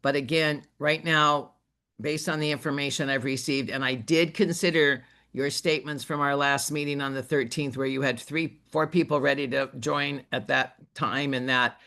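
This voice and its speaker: A man in charge of a district talks through a difficult decision on a recorded call. He speaks in a measured, halting way and fills pauses with ums and uhs. His voice sits at an everyday middle pitch. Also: fairly even intonation, pushed and bright. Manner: measured, hesitant, many fillers. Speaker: district leader.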